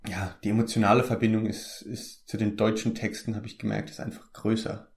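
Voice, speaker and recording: An easygoing young man from the Palatinate talking about his acting work in a relaxed interview. His voice sits a little low. He hesitates often, restarting sentences and filling pauses. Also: vocal fry. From Germany, Palatinate. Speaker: actor. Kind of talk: casual interview chat.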